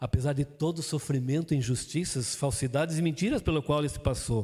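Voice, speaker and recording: A man's somewhat breathy voice with a dark, mellow tone, on a very clean recording with a silent background. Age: 60s. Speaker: pastor. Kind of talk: sermon. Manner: halting.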